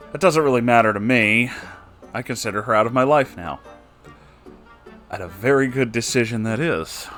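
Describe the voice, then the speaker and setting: A man narrating a story as a host, in an expressive, jokey and casually sweary way with offhand asides. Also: mid-range voice. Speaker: host reading submitted stories aloud.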